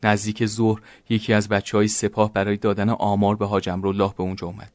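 Flat-voiced male narrator. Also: fairly low pitch, dry recording. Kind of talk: scripted narration.

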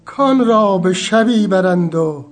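Wise old sheikh, radio drama, high voice, slow measured counsel. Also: male voice, animated, soft background music. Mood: calm, instructive.

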